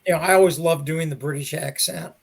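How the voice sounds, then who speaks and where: A mature man answering interview questions as a theater director, in a measured, conversational way with pauses to think. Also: fairly high pitch, steady tone, gravelly.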